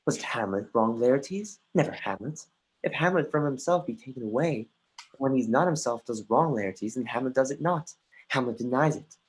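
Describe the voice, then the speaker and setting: An earnest, brooding young prince played by an actor in a dramatic reading, speaking Shakespearean verse at a middle pitch. There is a playful defiance under the courtly words, heard over a livestream. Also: lively intonation, normal speed, close to an everyday voice, low-quality recording. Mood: contrite, earnest. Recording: livestreamed remote call.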